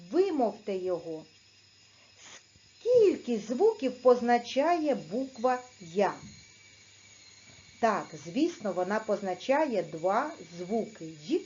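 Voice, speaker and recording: Woman teacher, slow clear instruction, lively melody, slightly dull lo-fi sound. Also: on the high side, slight background noise. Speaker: primary school teacher. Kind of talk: video lesson for young pupils.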